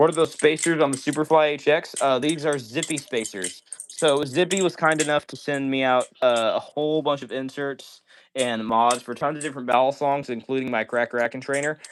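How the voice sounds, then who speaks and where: In an American accent, a normal speaking voice moves at a moderate pace with fairly even intonation. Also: man. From US South, Ozarks. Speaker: balisong streamer. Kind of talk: casual live stream chat.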